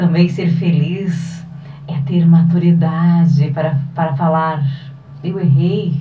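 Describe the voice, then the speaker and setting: At a very slow pace, a woman with a fairly low pitch speaks with fairly even intonation. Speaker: radio presenter. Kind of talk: motivational message reading.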